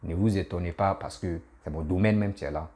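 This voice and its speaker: Male comedian-vlogger, deep warm voice, animated and repetitive. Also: a little fast. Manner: animated, repetitive, laughs at himself. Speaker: comedian and YouTuber. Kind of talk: casual political commentary vlog.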